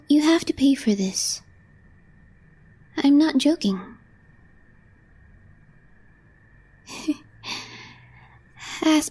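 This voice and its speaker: A woman playing a calm, deadpan young female coworker with a crush in an ASMR roleplay, speaking softly and breathily in measured, short phrases. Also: high voice. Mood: deadpan, shyly curious. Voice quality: soft, breathy, half-whispered. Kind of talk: intimate ASMR roleplay, scripted.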